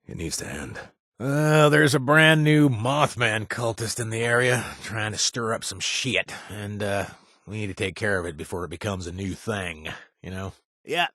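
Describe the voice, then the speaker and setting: A laid-back, joking mercenary for a video game, talking casually with plenty of filler sounds. His pitch swings freely from low mutters to high jabs. The recording is dry and close. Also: a bit bright, no echo. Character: wisecracking young adult male mercenary, laid-back. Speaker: quest-giving companion. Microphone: dry studio recording.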